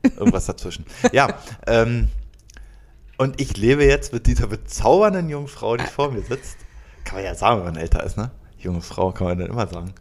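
With a medium pitch, lively intonation and a fairly quick pace, this man in his late thirties from Berlin co-hosts a casual podcast. He jokes often and hesitates, filling gaps and restarting sentences.

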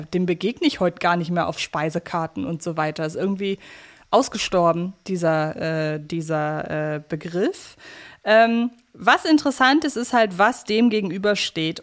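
A woman co-hosting a podcast, chatting casually in a wordy, playfully analytical way. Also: mid-range voice. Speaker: podcast co-host. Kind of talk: casual chat, analysing a radio play.

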